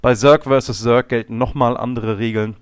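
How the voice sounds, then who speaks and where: A man with a slight cold and a slightly hoarse voice, explaining a game replay calmly, often pausing on fillers and correcting himself. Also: medium pitch, dry recording, studio quality. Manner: calm, explanatory, with frequent fillers and self-corrections. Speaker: game coach. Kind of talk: instructional commentary over a game replay.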